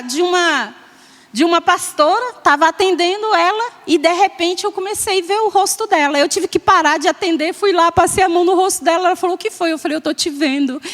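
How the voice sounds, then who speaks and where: A high-pitched woman in her sixties from Brazil shares her personal testimony in a church, her voice ringing with a long hall reverb. She speaks with emotion and tells her story through quoted dialogue, often checking in with the congregation. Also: fairly bright tone. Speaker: church member giving testimony.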